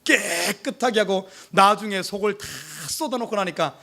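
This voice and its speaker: A male pastor preaching to his congregation, emphatic, with many rhetorical questions, swinging from urgent pleas to hushed asides. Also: sits high, moderate pace, vocal fry. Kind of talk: sermon. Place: church service.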